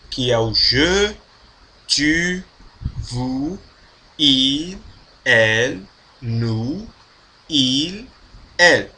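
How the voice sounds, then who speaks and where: Slow, bright-voiced male teacher. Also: a little high. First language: Portuguese. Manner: slow, patient explaining with frequent check-ins. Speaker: French teacher. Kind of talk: online language lesson.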